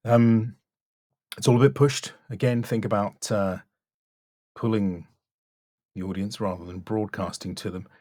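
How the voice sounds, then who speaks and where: A man with a fairly low voice speaks as a coach reviewing someone's work. He is frank and emphatic but encouraging, pausing to press his points. The sound is dry, with very little room. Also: steady tone, a little mellow, dry recording. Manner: blunt but encouraging, emphatic, deliberate pauses. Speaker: voice-over demo coach and reviewer. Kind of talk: spoken critique and coaching.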